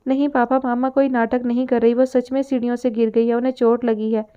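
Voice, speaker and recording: A woman's voice: fairly high pitch, little pitch movement, smooth, natural voice. A woman voicing a frightened, caring young daughter in an audio story, urgent and pleading. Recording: narrow phone-like sound.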